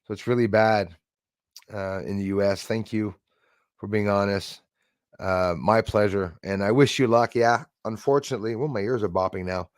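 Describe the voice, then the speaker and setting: Rambling man in his sixties, low voice. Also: fairly even intonation, normal speed, dry recording, clean studio sound. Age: 60s. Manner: rambling, chatty, thanks viewers by name. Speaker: live stream host. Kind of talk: casual live-stream chat with viewers.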